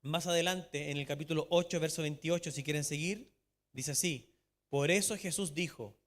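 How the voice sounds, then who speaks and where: A Chilean man preaching a sermon as pastor, reading scripture emphatically and slowing down to stress key words. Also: fairly high pitch. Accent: Chilean Spanish. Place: church sanctuary. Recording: long church reverb.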